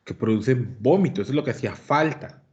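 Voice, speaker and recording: A man's voice: medium pitch, animated, fast talker, darkish tone, muffled recording. A man giving an interactive medical lecture, quizzing his students and often calling them young people. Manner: questions students, addresses them as "jóvenes".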